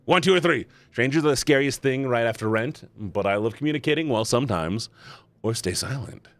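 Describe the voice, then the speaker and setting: A man's voice: medium pitch, lively intonation, a little fast, dry recording, soft background music. A man streaming as he reads a visual novel aloud, swinging between narration and chatty asides to his chat. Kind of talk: live stream reading and reacting.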